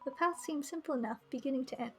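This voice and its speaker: High-voiced woman reading a game aloud. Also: fast talker. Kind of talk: live game commentary and narration reading. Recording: music behind the voice. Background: game music.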